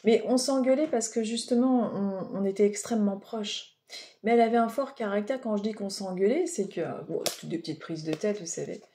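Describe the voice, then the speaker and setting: French woman medium, warm low timbre, loose rambling guidance chat. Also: brisk, slight background noise. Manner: chatty, rambling, digressive with many fillers. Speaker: medium giving oracle card readings. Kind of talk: casual spiritual guidance talk.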